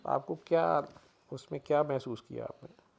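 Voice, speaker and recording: Gravelly man giving spiritual advice. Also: on the high side, moderate pace, darkish tone. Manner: instructive, keeps checking understanding. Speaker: spiritual healer advising a caller. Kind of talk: casual advice session.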